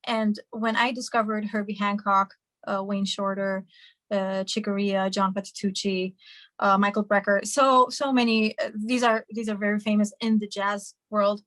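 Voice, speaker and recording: A woman's voice: mid-range voice, fairly even intonation, moderate pace, a bit bright, dry recording. Young woman from hungary, chatty musician, lots of ums, dry close sound. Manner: chatty, many fillers and restarts. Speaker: singer and musician guest. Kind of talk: casual interview answers.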